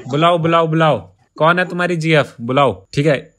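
A man's voice: a little high, moderate pace, background noise. A young man hosting a gaming prank video, chatting casually and pleading playfully with his teammates. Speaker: gaming YouTuber host.

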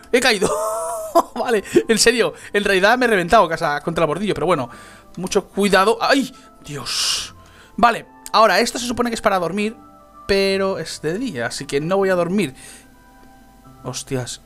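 A young man giving excitable gameplay commentary, yelping and laughing when he falls. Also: sits high. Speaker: Minecraft let's player.

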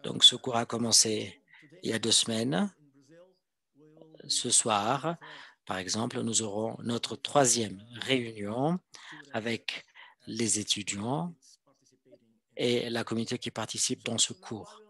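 A male interpreter renders a formal presentation live. His voice sits at a middling pitch. He speaks slowly and haltingly, delivering the speech phrase by phrase. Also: gravelly, bright, forceful tone, slightly rough. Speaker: simultaneous interpreter.

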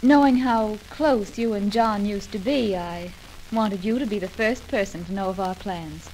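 A woman's voice: mid-range voice, moderate pace, a little mellow, lightly acted. A woman playing a smug romantic rival in an old radio soap, sweetly condescending and polished, on a noisy old recording. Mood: falsely sweet. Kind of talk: 1940s radio soap acting.

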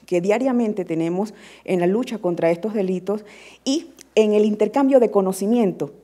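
Middle-aged woman, warm mellow voice, cordial formal thanks, podium mic in a press room. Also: medium pitch. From Panama. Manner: cordial, slightly halting. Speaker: visiting chief prosecutor. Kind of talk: formal official remarks. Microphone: podium microphone.

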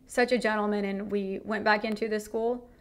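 A woman's voice: medium pitch, fairly even intonation, normal speed. A young woman giving an earnest personal faith testimony, speaking frankly about her own experiences.

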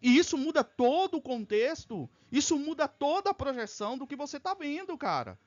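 Fired-up, high-voiced male streamer. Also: big pitch swings, normal speed, muffled recording. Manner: fiery, profane, argumentative. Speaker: reaction streamer. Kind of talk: heated live reaction commentary.

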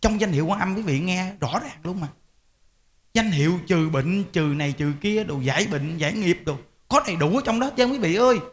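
A man's voice: sits high, lively intonation, fairly quick. A man, a Buddhist monk, giving an informal, emphatic dharma talk to lay followers. He repeats words and often speaks to his listeners directly.

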